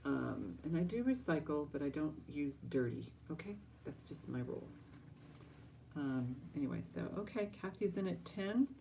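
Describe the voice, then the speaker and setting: A woman's voice: low voice, sing-song, normal speed, creaky, warm tone, a little hiss or hum. A woman hosting a casual live-stream jewelry auction, chatting directly to viewers and thinking aloud as she goes. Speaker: online jewelry auction host.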